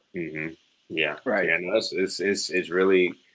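A man with a very deep, low pitch speaks in an American accent. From North Carolina (Greensboro). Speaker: rapper and producer. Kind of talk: casual interview.

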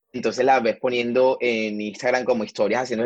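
Here a man speaks in a coastal Colombian accent. His pitch is medium and his pace very fast. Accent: Colombian coastal (costeño) Spanish. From Barranquilla, Colombian Caribbean coast. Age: 20s. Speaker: communications professional. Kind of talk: casual chat.

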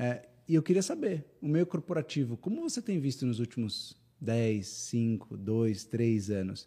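With a dark, mellow tone and a somewhat breathy quality, a man talks at a medium pitch with lively intonation. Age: 30s. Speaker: podcast host, recruitment executive. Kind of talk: podcast interview.

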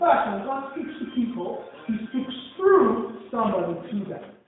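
A man talks at a fairly slow pace in an animated tone. Noticeable background noise sits behind him. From Nigeria. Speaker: pastor. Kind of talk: sermon, preacher in full flow with call-and-response and code-switching humor. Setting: church with congregation. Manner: animated, emphatic, conversational and exhortative.

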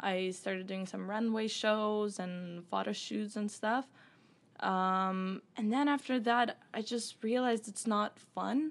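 A woman speaks very slowly in a Ukrainian accent, with ordinary pitch variation. The recording is very clean, with a silent background. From Ukraine. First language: Ukrainian or Russian. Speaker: actress. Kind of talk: casual chat. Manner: giggly, laughs often.

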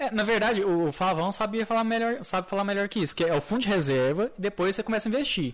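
Hardly any pauses break the speech. It runs at a very fast pace. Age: 30s. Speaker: podcast co-host, freelance programmer. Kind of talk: casual chat.

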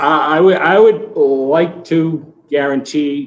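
A man with an American accent, fairly high-pitched, lively in intonation, at a very slow pace. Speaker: public works commissioner. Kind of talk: public budget meeting. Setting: video call.

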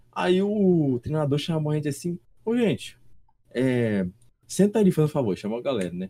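With a dark, mellow tone and fairly high pitch, a man moves at a moderate pace through very wide pitch swings and long, frequent pauses. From Espírito Santo, Brazil (Vila Velha). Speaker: streamer. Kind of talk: casual chat.

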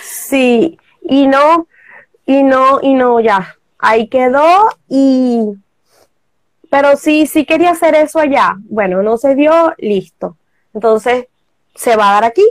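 A woman with a high pitch speaks at a very slow pace with long, frequent pauses, in a dry, close sound with no echo. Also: very even loudness. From Venezuela, raised in Valencia, born in Maracaibo. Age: 30s. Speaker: entrepreneur, psychologist. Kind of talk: interview on live stream.

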